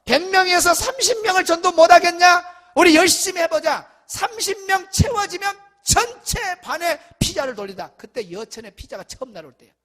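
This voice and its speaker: A middle-aged man from South Korea, a pastor giving an animated seminar lecture to church teachers, acting out dialogue and shouting at the peaks. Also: extremely high pitch, normal speed, hardly any pauses.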